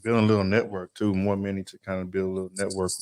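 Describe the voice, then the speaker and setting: A male co-host with a low voice talks quickly in a relaxed, slangy way. He keeps it casual. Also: clear, resonant tone. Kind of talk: casual podcast chat.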